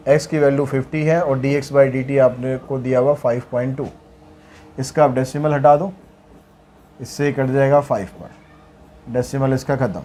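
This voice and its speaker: A man's voice: medium pitch, darkish tone, slight background noise. A man teaching maths, walking through worked problems in a chatty way with asides and jokes. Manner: chatty, mixes English terms into speech, light jokes.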